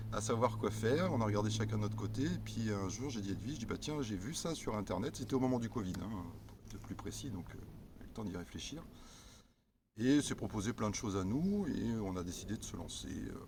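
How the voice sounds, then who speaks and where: Fairly quick and with ordinary pitch variation, a man with fairly low pitch and vocal fry speaks with audible room echo. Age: 50s. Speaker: wellness practitioner. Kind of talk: casual self-introduction. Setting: outdoors. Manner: hesitant, many fillers.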